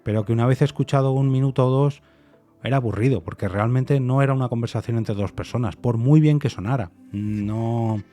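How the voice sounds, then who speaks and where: Mellow-voiced man musing, faint music behind. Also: mid-range voice, fairly quick. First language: Spanish. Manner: thoughtful, hesitant, many restarts and repeated "no". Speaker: podcast host. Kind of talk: reflective solo opinion monologue.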